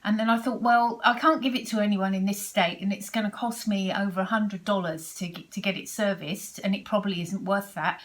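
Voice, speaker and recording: A woman's voice: medium pitch, steady tone, a little fast, few pauses. A woman in her sixties from Britain with a British accent, chatting casually to camera about her sewing and rambling through restarts and asides. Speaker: sewing vlogger.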